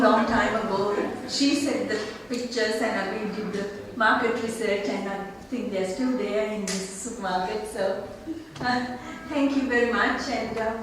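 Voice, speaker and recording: Older woman in a long-echoing hall. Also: fairly high pitch. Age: 60s. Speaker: author thanking guests at her book launch. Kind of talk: unscripted informal thank-you speech. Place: large roomy indoor gathering, mic at a distance. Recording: echoey hall, distant mic, faint noise.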